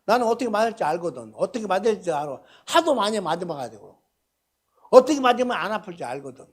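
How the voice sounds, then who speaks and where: An older man preaches at a church prayer meeting. His voice is somewhat husky, and his pitch moves around a lot. He speaks in a colloquial way, pressing hard on some phrases and dropping others almost to a murmur. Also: very animated, fast. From Korea. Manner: colloquial, swings between loud emphasis and soft asides. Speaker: pastor. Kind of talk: sermon.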